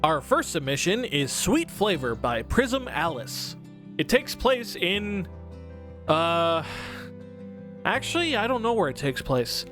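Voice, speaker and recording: Slow and sing-song, a man with a high, fairly bright voice hosts a scripted comedic game review. He keeps it casual with swearing and over-the-top emphasis, and music plays under him throughout.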